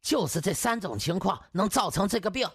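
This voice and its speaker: A man's voice: high-pitched, big pitch swings, brisk, a bit bright, slightly rough, pitched above the performer's own voice, heavily acted. A man voicing a jealous, hot-tempered husband, crude and accusing, in an audio drama. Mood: furious. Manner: ranting, accusing, swearing.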